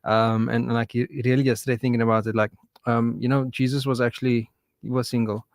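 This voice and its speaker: A relaxed man in his forties co-hosts from a radio studio. He thinks aloud, drops in fillers and "man", and speaks at a mid-range pitch. The sound is close and dry. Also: fairly quick, no echo. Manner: relaxed, reflective, many fillers, says "man". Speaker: radio co-host. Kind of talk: casual studio radio chat.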